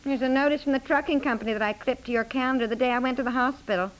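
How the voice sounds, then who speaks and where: A woman's voice: high-pitched, racing, natural voice, low-quality recording. A woman playing an exasperated, wry housewife and new mother in a 1950s radio comedy, scolding with emphatic delivery. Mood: wry, inquiring. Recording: slightly aged 1950s radio recording.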